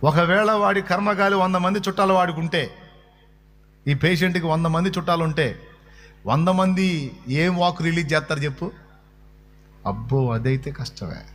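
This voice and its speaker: Conversational male pastor, slightly high voice. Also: fairly even intonation, normal speed, long pauses, fairly bright tone, long reverb tail. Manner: conversational, asks the audience questions. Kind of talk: sermon.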